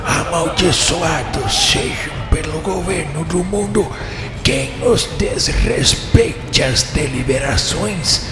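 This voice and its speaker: A tyrannical spirit judge from a netherworld radio play. His high voice swoops widely through slow, pompous declamation, wrathful and commanding, inside a long echoing hall. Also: expressive. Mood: haughty, condemning. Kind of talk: radio drama acting. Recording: echoey long hall reverb, music underneath.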